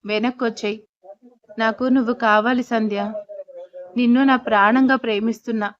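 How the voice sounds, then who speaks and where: A woman's voice: on the high side, steady tone, normal speed, lightly acted. A woman voicing a desperate young man pleading. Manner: pleading, urgent. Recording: dull, dry recording.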